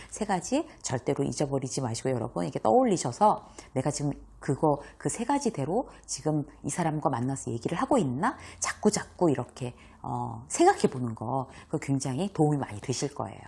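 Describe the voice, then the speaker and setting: A woman teaches viewers in a lively lecture, acting out examples and laughing often. Her voice sits low and has a gravelly, husky grain. Her pitch moves a lot as she talks. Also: fairly quick, few pauses. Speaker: host and workplace communication coach. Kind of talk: talking-head lecture.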